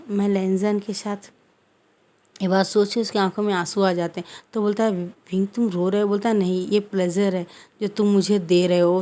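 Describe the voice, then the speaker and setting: A woman's voice: mid-range voice, darkish tone. A woman casually retelling a fan story, narrating and quoting the characters' lines. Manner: plain narration with quoted dialogue, repeated "bolta hai".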